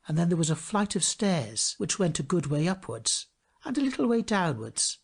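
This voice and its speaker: A man narrating a fairy tale as a storyteller, reading a script in an expressive, measured way. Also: on the high side, gravelly, breathy edge.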